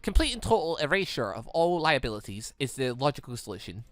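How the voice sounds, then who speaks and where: A man's voice: mid-range voice, sing-song, a bit bright, no echo. Man reading as a cold, clipped female android. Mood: cold, pragmatic. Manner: formal, clipped, deliberate machine-like delivery. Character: cold logical female android, pitiless and literal.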